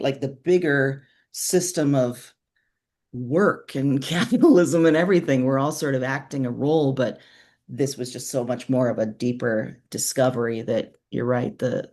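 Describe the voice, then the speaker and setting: A woman's voice: very deep voice, darkish tone. Reflective woman author in casual conversation. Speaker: author being interviewed.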